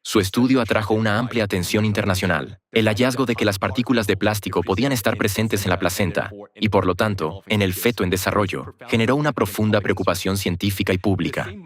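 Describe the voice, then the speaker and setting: Male moderator, lowish voice, formal courteous introduction. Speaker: conference moderator introducing a speaker.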